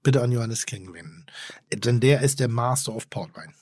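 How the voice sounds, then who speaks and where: A man's voice: medium pitch, lively intonation, moderate pace, darkish tone, husky, no echo, clean studio sound. A man co-hosting a casual podcast, rambling and effusive, often trailing off and restarting his sentences.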